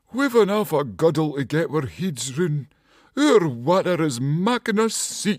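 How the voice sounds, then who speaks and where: Putting on a character voice in a Scottish accent, a man speaks at a fairly slow pace and a fairly high pitch that swings very widely. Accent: Scots. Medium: read story.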